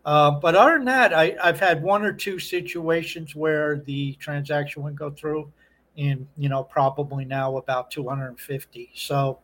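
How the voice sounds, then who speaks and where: A man's voice: fairly high pitch, steady tone, unhurried, fairly bright tone. A man from North America co-hosting a podcast, talking in a casual, conversational way. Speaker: podcast co-host. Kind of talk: casual chat.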